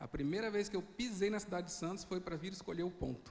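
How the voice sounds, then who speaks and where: Speaking with a Mato Grosso accent, a man talks at a fairly quick pace in a high pitch with fairly even intonation. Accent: caipira accent from Mato Grosso. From Cuiabá, Mato Grosso, Brazil. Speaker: entrepreneur and speaker. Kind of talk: talk at a business fair in a church. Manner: fast.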